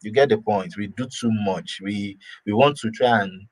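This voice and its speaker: A man's voice: fairly low pitch, normal speed, dry recording, low-quality recording. A man from Nigeria talking casually, often repeating and restarting words and breaking into small laughs. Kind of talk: casual opinion talk.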